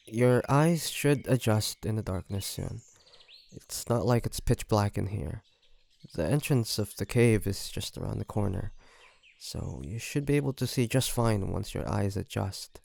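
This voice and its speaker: A man playing a gentle, remorseful vampire in an intimate audio roleplay, speaking hesitantly and earnestly with many pauses. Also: on the low side, gravelly. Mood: concerned, gentle. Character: remorseful, gentle male vampire tending his wounded victim.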